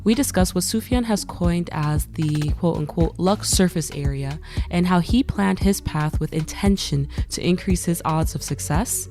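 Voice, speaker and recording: A woman's voice: sits low, darkish tone. A woman hosting a podcast, reading a polished, upbeat introduction. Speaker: podcast host.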